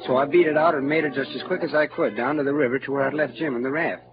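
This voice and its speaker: A man's voice: medium pitch, fairly even intonation, fast, natural voice. A man voicing a resourceful rustic teenage boy who narrates in plain, rustic speech, in a 1940s radio drama. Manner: plain rustic narration, urgent when searching. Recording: dull lo-fi old radio recording with music.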